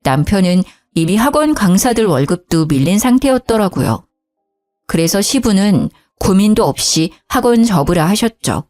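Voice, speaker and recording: Lively woman telling a story. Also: mid-range voice, moderate pace. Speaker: narrator. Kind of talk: first-person story narration. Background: faint background music.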